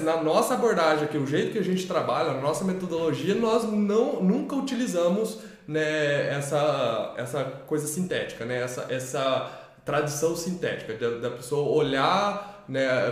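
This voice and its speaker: A man co-hosting a talk on teaching children to read, rambling with many restarts and tag questions. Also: a little high. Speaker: co-host of a literacy channel. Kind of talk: casual explanatory talk. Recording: echoey room.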